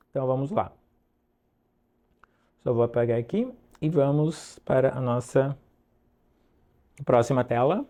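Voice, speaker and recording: A man teaching an online English lesson, drilling pronunciation slowly and checking in with "ok?" often. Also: medium pitch, dark tone.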